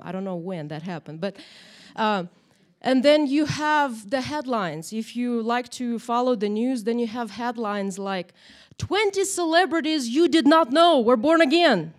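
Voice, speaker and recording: A woman from Moldova, teaching a church Bible lesson to a group in a chatty way, often adding "right?". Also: fairly high pitch. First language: Russian or Romanian. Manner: chatty, animated, tag questions. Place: church room, in front of a group.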